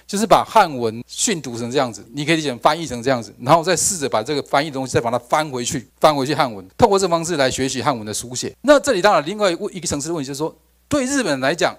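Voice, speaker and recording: A man's voice: on the high side, lively intonation, rapid-fire, a bit bright. A man giving an academic lecture, conversational, often asking the audience rhetorical questions and restarting his phrases. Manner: frequent restarts and fillers like OK.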